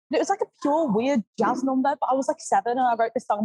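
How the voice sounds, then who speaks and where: A woman's high, animated voice with an English accent, very fast and with ordinary pitch variation, in a dry, close sound with no echo. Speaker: rock band singer. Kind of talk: casual interview chat.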